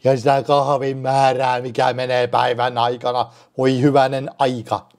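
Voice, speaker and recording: Rambling man with a mellow voice. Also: mid-range voice, little pitch movement. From Finland. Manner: rambling, halting, restarts words, jokey. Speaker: vlogger. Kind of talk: rambling casual vlog.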